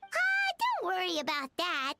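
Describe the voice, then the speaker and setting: A woman voicing a tiny, excitable childlike fairy girl companion in an anime video game, squeaky, perky and cheeky. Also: a little slow, creaky, slight background noise, full character voice. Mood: determined, confident. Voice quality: squeaky, shrill.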